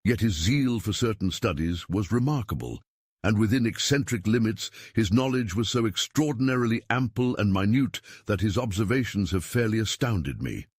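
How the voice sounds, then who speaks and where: Low slightly husky guy reading an old novel aloud, formal and measured, really dry sound. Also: animated, no room sound. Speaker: audiobook narrator. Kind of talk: scripted literary narration.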